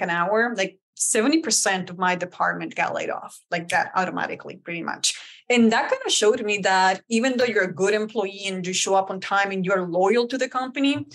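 A woman from Colombia whose first language is Spanish speaks as a guest on a podcast. She tells her story in a candid, chatty way with plenty of fillers. Her voice sits at an ordinary mid pitch. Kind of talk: casual interview storytelling.

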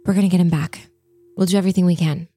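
A woman player speaking in character, calm and reassuring. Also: lowish voice, rapid-fire, slightly rough, dry recording. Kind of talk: in-character role-play.

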